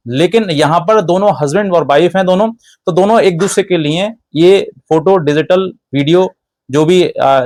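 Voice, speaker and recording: Male legal explainer, fairly high voice, dry close sound, emphatic teaching delivery with repeated points. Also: darkish tone, dry recording. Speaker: legal advice presenter. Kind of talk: explanatory legal talk addressed to viewers.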